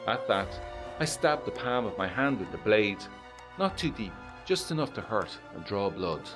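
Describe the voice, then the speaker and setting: A man playing a haunted 1920s war veteran, reading his letter aloud in a brooding, measured way for a gothic audio drama. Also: fairly low pitch, sing-song, over music. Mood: uneasy, haunted.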